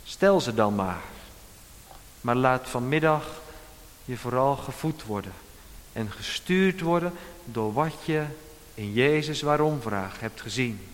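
A man preaching a sermon as pastor, emphatic, with dramatic pauses and quoted lines. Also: mid-range voice, big-room sound.

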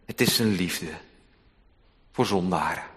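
A man preaching a sermon, swinging between hushed, slow passages and loud, emphatic ones. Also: deep voice. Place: church hall. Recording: long church reverb.

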